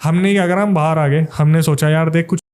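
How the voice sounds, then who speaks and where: Man, slightly high voice, mellow tone, casual podcast storytelling. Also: fairly even intonation, fairly quick, clear, resonant tone. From Delhi, India. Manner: informal, chatty, addresses the listener as brother. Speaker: podcast guest, paranormal YouTuber.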